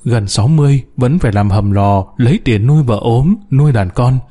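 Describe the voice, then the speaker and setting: A man's voice: mid-range voice, brisk, warm tone, breathy edge, close to an everyday voice. A man voicing a humble, tearful mother in a story, speaking deferentially. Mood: tearful, guilty. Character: tearful, humble, guilt-ridden mother introducing her children.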